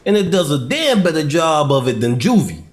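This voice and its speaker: Man acting a cocky, sarcastic orderly, animated. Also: on the high side, normal speed. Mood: defiant. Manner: sarcastic, slangy. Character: sarcastic, cocky male facility orderly picking fights. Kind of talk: dramatic dialogue in an audio drama.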